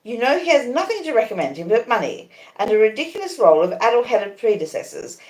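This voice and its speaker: A woman voicing an earnest, wretched young gentleman who pleads emphatically in a story reading. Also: a little high, sing-song, a little fast, echoey room, voice pushed up, low-quality recording. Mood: earnest, pleading.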